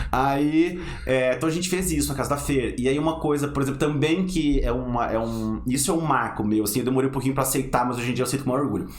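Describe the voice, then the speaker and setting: Delivered very fast with hardly any pauses, the speech has ordinary pitch variation and very even loudness, with audible room echo and noticeable background noise. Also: man, medium pitch for a man. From northern Paraná, Brazil. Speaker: architect. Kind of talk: casual interview chat. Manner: animated.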